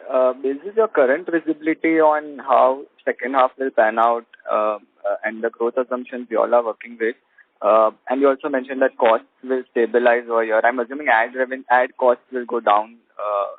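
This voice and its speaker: A man's voice: medium pitch, fairly even intonation, normal speed, dry recording. Indian male caller, dry phone-line sound. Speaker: analyst caller. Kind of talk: asking questions on an earnings call.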